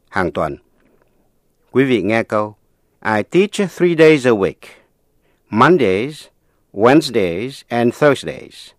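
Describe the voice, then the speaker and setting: A man teaching a language lesson on the radio in a measured, explanatory way, reading scripted narration. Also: fairly low pitch, dry recording, studio quality.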